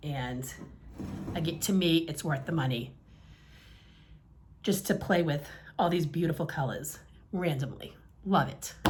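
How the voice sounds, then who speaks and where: A woman with a very deep, low voice speaks at a fairly slow pace with long, frequent pauses, her animated, somewhat breathy delivery showing ordinary pitch variation against audible room echo. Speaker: crafting vlogger. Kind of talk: casual show-and-tell vlog.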